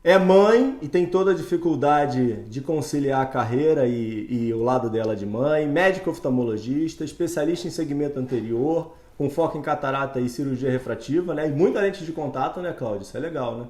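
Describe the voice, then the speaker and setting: A man's voice: mid-range voice, a little fast, hardly any pauses, darkish tone. Chatty brazilian man in an echoey room. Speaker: host, ophthalmologist. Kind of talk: interview podcast.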